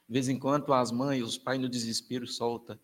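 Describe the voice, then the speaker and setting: A Brazilian man, a Catholic priest, giving an emphatic, colloquial lecture to families, his pitch and loudness swinging widely. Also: flat delivery, moderate pace. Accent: Brazilian Portuguese.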